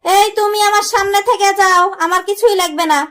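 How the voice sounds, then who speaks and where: A woman's voice: very high-pitched, fairly even intonation, fairly quick, fairly bright tone. A woman voicing a short-tempered, exasperated cartoon wife with a Rajshahi Bengali accent, speaking in curt complaints. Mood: exasperated, loud. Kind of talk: comic cartoon dialogue.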